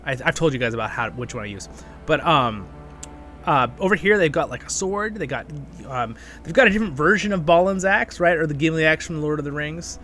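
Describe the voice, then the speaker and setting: A man with a bright, slightly high voice hosts a casual gameplay guide. He rambles along in a chatty way, talking to viewers like friends. Soft game music plays behind him. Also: expressive, fairly quick. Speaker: gaming channel host. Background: game background music.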